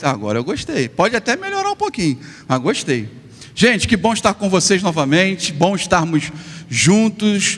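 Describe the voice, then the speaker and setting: Over noticeable background noise, a man with a Rio de Janeiro accent talks in an animated tone at a moderate pace. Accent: Rio de Janeiro (carioca). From Rio de Janeiro, Brazil (São João de Meriti). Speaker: pastor. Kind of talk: sermon. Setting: church.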